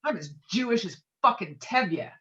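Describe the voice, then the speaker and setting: A woman's voice: medium pitch, lively intonation, moderate pace, a bit bright, lo-fi sound, natural voice. A woman acting a stubborn, hot-tempered male war veteran in a table read, profane and combative. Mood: indignant. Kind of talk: virtual table read of a film script. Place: remote video call.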